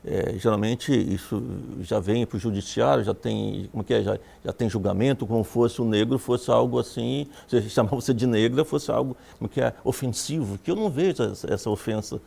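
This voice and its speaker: A man's voice: medium pitch, normal speed, vocal fry, hardly any pauses, mellow. A Brazilian man hosting a TV panel, posing questions hesitantly with restarts. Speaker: host. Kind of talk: TV panel moderation.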